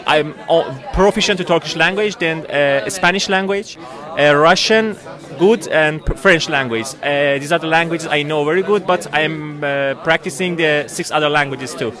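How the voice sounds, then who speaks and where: A man with a Persian accent, a native Persian speaker, answering slowly with many pauses. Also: a little high. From Iran. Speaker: interview guest. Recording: outdoor recording with loud crowd.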